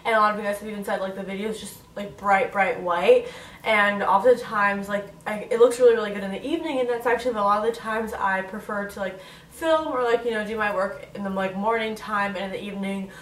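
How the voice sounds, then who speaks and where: This vlogger is a young woman in her twenties chatting casually on her bed for a Q&A, nasal from a stuffy, congested nose and full of "like." Her mid-range voice is a bit bright and steady, quick-paced. The rough recording sounds echoey, as if far from the mic.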